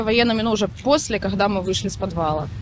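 A woman's voice with very wide pitch swings, dry sound with no echo and light background noise. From Ukraine. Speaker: journalist interviewing residents. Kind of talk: street interview. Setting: outdoors on the street. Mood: subdued, matter-of-fact. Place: street. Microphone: handheld.

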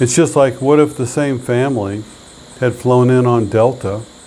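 A man talks with fairly even intonation. Light background noise can be heard. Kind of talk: storytelling vlog. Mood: somber, then indignant. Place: home room. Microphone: lapel.

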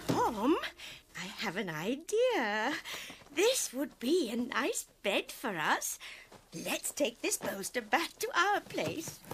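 A female-sounding voice uses a put-on character voice, pitched high. It moves at a very slow pace. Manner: eager, mischievous.

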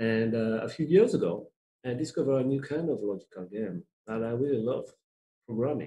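A man with a French accent speaks in a dark, mellow tone at a fairly quick pace, with ordinary pitch variation and a quiet background. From Belgium, French-speaking part. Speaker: bootcamp graduate giving a tech talk; conference presenter. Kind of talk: tech talk presentation. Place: home room. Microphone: headset.

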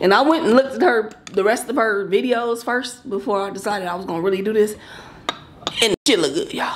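Lively intonation marks a woman talking at a very fast pace. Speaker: mukbang host. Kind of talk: casual vlog chat. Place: kitchen. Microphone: phone near.

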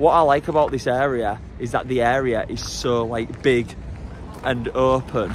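A man talks against noticeable background noise, in a dry sound without echo. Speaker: travel vlogger. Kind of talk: casual vlog chat. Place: street. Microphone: phone near.

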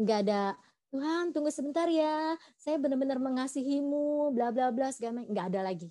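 A woman's high-pitched voice with a dark, mellow tone and lively intonation, at a moderate pace against a quiet background. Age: 30s. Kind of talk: religious talk to young people. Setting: online video session. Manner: animated.

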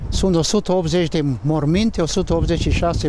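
A man speaks at a moderate pace, with audible room echo and noticeable background noise around him. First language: German (speaking Romanian). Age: 70s. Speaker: Lutheran pastor and writer. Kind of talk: casual conversation while walking in cemetery.

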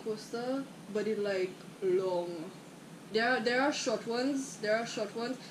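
Over noticeable background noise, a woman talks at a moderate pace in a fairly high voice with ordinary pitch variation. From Caribbean (Saint Lucia). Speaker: YouTuber. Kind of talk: casual chat. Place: home room. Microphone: camera far.

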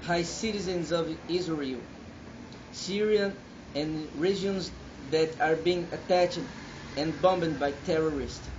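A man with a Portuguese accent at a fairly slow pace, with long, frequent pauses and noticeable background noise. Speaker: video blogger. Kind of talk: video message. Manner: halting. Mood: earnest, welcoming. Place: shop. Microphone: webcam.

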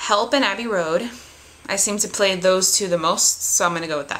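Ordinary pitch variation in a woman's speech. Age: 20s. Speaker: YouTuber. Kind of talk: casual vlog introduction. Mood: cheerful, enthusiastic.

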